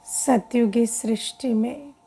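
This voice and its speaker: A woman guides a meditation very slowly, leaving long pauses between short phrases. Her voice is soft-edged and mellow, slightly high, with a creaky grain. The delivery is hushed and deliberate. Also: fairly even intonation, faint music behind, poor audio.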